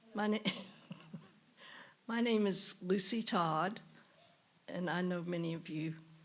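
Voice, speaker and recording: The speech comes at a fairly slow pace with ordinary pitch variation, and audible room echo surrounds it. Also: woman, long, frequent pauses. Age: 80s+. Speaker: resident. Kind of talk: public comment. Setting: town hall meeting.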